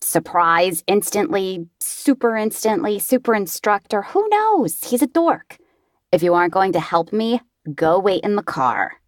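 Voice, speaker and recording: A woman's voice: medium pitch, normal speed, dry recording, studio quality, lightly acted. A woman voicing a pushy, impatient teenage girl, brusque and insistent, in an audiobook reading.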